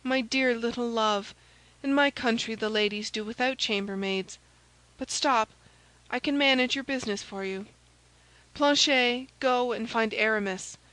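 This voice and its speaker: A woman's voice: on the high side, a little slow, fairly bright tone, no room sound, low-quality recording. A gallant young soldier of an adventure storybook, read by a woman. He speaks decisively and reassuringly, in a dry, close recording. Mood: brisk, decisive. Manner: commanding, reassuring.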